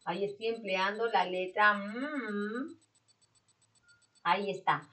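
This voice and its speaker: A Peruvian woman teaching preschoolers a remote class, slowly sounding out syllables in a sing-song way. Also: mid-range voice, a bit bright. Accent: Peruvian Spanish. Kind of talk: recorded remote class for young children.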